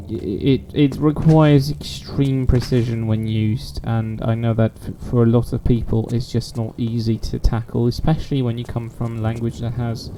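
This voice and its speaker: A man's voice: medium pitch, noisy background. A young man from Poland with a Polish accent, chatting casually while streaming a game, thinking aloud with frequent restarts. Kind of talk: casual gaming stream chat. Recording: game music playing behind.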